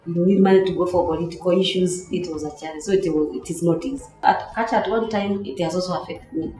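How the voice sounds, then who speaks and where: A woman with a Kenyan accent speaking haltingly about her own life in a documentary interview. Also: fairly low pitch, warm tone. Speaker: student and election candidate. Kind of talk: personal account in documentary interview. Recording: echoey room, music underneath. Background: background music.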